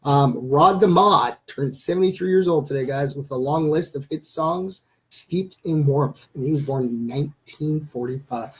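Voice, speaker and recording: A man's voice: on the high side, moderate pace, hardly any pauses, poor audio. A man in his thirties hosting a casual live stream, reading out news items with lots of ums and uhs. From Canada. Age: 30s. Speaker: livestream host.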